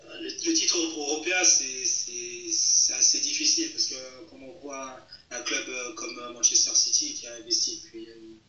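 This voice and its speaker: A French footballer in his thirties answers interview questions hesitantly, repeating words as he searches for them. His mid-range voice is bright and forceful, with lively intonation at normal speed and hardly any pauses. The recording is roomy, distant, and dull, with lo-fi sound.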